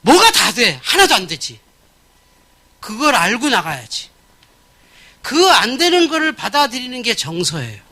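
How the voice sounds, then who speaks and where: Male pastor in his 50s giving a church lecture; blunt and animated, with a bright, lively voice that swings widely. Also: very high voice, normal speed, pauses often.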